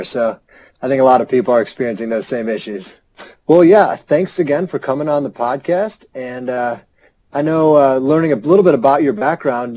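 A man's voice: medium pitch, dark tone, rough recording. A man hosting a casual interview podcast from home, friendly and a little self-deprecating, recording wrapped in a heavy blanket. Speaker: podcast host. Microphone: home podcast mic under a heavy blanket.

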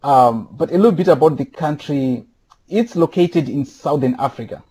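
A man from Zimbabwe, a podcast guest speaking from home, answering thoughtfully with frequent pauses. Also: a little high, animated, warm tone, slightly rough. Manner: thoughtful, with many filler pauses. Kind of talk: casual interview answers. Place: home during quarantine.

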